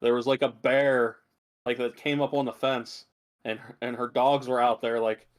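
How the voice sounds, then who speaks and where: A man with a medium-pitched voice talks as a podcast co-host. His delivery is casual and offhand, a little halting and very informal. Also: flat delivery. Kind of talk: casual chat.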